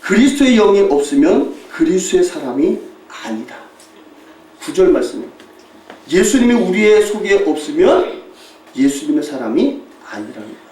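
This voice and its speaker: A Korean pastor preaching a sermon with a mission report, telling stories with lively mimicry and frequent laughter. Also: male voice, high-pitched, normal speed. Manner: animated storytelling, mimics shouting tourists, laughs often. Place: church sanctuary. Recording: echoey church hall, distant mic.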